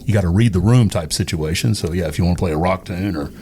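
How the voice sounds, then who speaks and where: A man co-hosting a podcast, chatting casually in a halting, loosely phrased way. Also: deep voice, mellow. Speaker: podcast co-host. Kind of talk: casual chat. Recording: noticeable background noise.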